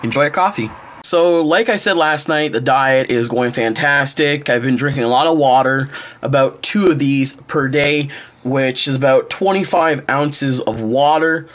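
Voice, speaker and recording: A man's voice: mid-range voice, moderate pace. A young man, chatting casually to a close handheld camera at home, rambling with many fillers. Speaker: vlogger. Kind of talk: casual vlog chat to camera. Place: small home kitchen and living room indoors. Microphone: wide-angle camera held close.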